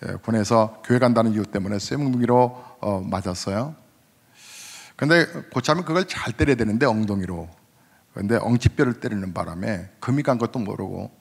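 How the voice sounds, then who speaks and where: A man in his fifties, a senior pastor, preaching a sermon in a conversational storytelling way, asking the congregation questions and rising in pitch at emotional moments. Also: brisk, gravelly, husky. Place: church sanctuary. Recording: long hall reverb.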